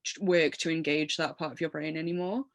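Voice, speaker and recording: Musician guest, woman, 30s, English accent, low smoky voice, chatty and quick to laugh, dry close sound. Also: dry recording. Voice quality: low voice from years of smoking. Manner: animated, laughs often, lots of fillers. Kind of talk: casual interview chat.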